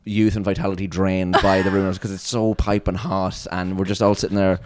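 A man's voice: deep voice, level tone, brisk, darkish tone, slight background noise. A young man, rambling through tour stories in casual podcast chat and swearing freely. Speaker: band member and podcast host.

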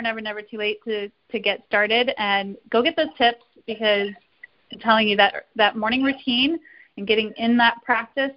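A woman hosting a podcast, chatting casually and encouragingly, often repeating words for emphasis. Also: a little high. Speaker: podcast host. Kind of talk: casual interview chat. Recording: slightly dull lo-fi podcast audio.

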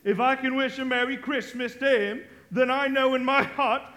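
A man's voice: very high voice, steady tone, moderate pace, bright, forceful tone. A man playing a jovial, good-hearted nephew and party host, hearty and declamatory, in a live stage radio play. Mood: cheerful. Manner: hearty, declamatory, toast-making. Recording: live stage recording with faint noise.

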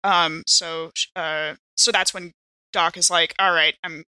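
A woman with a bright, forward voice talks as a player in a tabletop game. She speaks informally and haltingly, working out moves aloud, in a very dry recording. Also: lowish voice, steady tone, clear, resonant tone, no echo, low-quality recording. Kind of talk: casual in-game chat.

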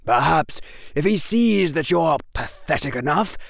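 A man voicing a stern, mocking male defense professor, speaking slowly and coldly. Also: a little high, animated, gravelly, dry recording, studio quality, voice pushed up, full character voice. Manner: slow, cold and taunting.

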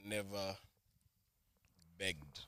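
A man's voice: low-pitched, drawn-out words, crowd noise. A young man talking casually in a group conversation with friends. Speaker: podcast participant.

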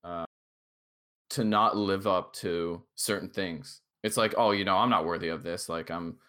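A tipsy man in his twenties, a podcast co-host, chatting casually in a rambling, halting way full of fillers and restarts. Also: low voice, fairly even intonation, pushed and bright. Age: 20s. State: tipsy from drinking shots.

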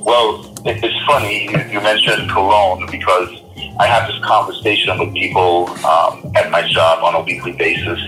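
A man from Trinidad and Tobago, a podcast guest, telling stories in a relaxed, casual way with many restarts. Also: low voice, moderate pace, music in the background, rough recording. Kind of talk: casual interview storytelling.

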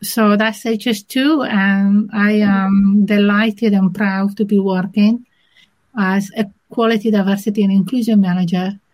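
Italian-accented woman interview guest, measured and thoughtful, unhurried delivery with pauses. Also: medium pitch, fairly even intonation, darkish tone. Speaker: interview guest, inclusion manager. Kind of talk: conversational interview.

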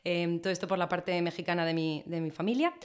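A woman's voice: fairly low pitch, fast. A woman in her late twenties with an accent from Spain, answering conversationally as a podcast guest.

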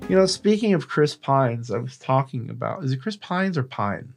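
A man's voice: medium pitch, big pitch swings, normal speed, gravelly, music in the background. A man co-hosting a podcast, chatting casually in a rambling, explanatory way with some swearing. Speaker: podcast co-host. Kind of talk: casual chat.

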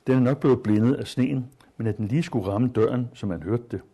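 A man reading the lines of a poor wartime father, quiet and grave. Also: medium pitch, breathy edge.

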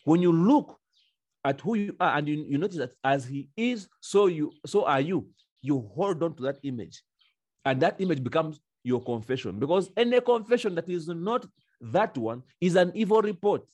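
A man's voice: fairly high pitch, animated, moderate pace, a little mellow, dry recording. A man preaching a sermon, repeating key phrases for emphasis and breaking into short laughs between points.

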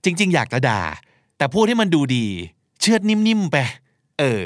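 With a high voice at normal speed, this podcast host, whose first language is Thai, teaches English phrases in a casual lesson. He switches from Thai to reading English examples aloud, stressing points in a playful, animated way, and the clean studio sound is dry.

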